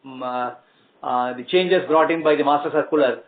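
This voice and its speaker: A man with an Indian accent answers as a company executive on an earnings call, explaining in a halting, measured way. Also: medium pitch. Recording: tinny phone-like conference line.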